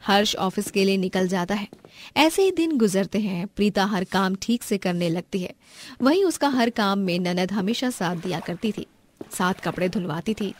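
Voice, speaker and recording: A woman's voice: medium pitch, darkish tone. A woman narrating a scripted family story as its storyteller.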